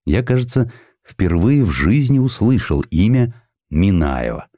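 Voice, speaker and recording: A man narrating a literary historical essay as an audiobook, with expressive, dramatic and measured phrasing. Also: on the low side, dry recording, clean studio sound.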